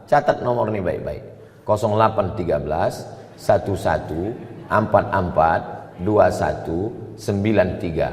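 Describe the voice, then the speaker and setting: A man preaching a sermon with questions and answers. His voice swings from loud and high to low and quiet. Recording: echoey hall with long reverb.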